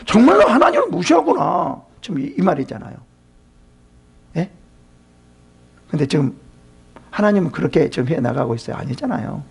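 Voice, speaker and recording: Very husky, gravelly male pastor. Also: fairly high pitch, animated, moderate pace, pauses often, mellow. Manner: asks the congregation questions, drops to whispered asides. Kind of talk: sermon at a prophecy seminar.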